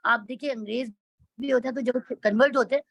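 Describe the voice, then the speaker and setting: Earnest woman student, bright and dry. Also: on the high side, steady tone, husky, dry recording, highs cut off. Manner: earnest, quick, respectfully addresses the teacher as older sister. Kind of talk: class discussion.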